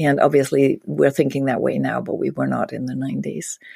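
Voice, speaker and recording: A woman speaks with a Danish accent. The recording is very clean with a silent background and a dry, close sound with no echo. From Denmark. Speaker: keynote speaker and author. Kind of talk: interview.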